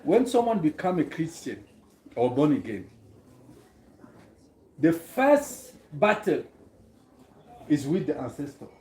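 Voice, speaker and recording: A man's voice: on the high side, sing-song, slow pace, pauses often, mellow, a little hiss or hum. A man from Cameroon, speaking earnestly to a gathering as a guest and often posing rhetorical questions. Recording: roomy echo.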